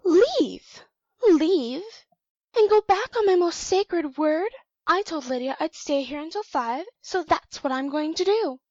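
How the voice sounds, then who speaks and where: A woman's voice: very high-pitched, expressive, measured pace, a little mellow, no room sound, lo-fi sound. A woman playing a quirky, scheming mirror clone with theatrical manner in an amateur audio drama. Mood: indignant. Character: mirror-born female clone, quirky aspiring world conqueror.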